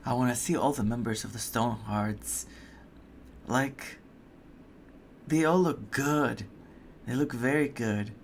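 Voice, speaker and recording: A man giving casual, animated, rambling reactions as he plays through a game. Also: medium pitch, measured pace, long pauses, a little hiss or hum. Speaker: gaming streamer. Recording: game music under the commentary. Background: game music.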